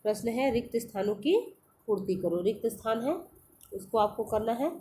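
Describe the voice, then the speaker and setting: A woman's voice: a little high, moderate pace, warm tone, a little hiss or hum. A woman teacher leads a reading lesson for young children. She sounds out each syllable and then says the whole word.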